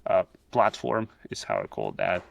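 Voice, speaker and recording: A middle-aged man from the Soviet Union, with a Russian accent, joins a casual video-call interview as a guest from a pool house. His low, gravelly voice is unhurried with huge pitch swings, and he tells his story hesitantly, full of fillers and restarts.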